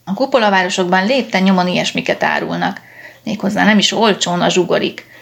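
A woman voicing a jolly round-faced father who jokes loudly, in a storybook reading. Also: on the low side, creaky. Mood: jovial. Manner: hearty, loud and joking.

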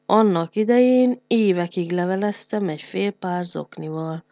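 A woman voicing an old, wise kufli uncle in a storybook, speaking calmly and knowingly. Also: fairly low pitch, dry recording, muffled recording, natural voice.

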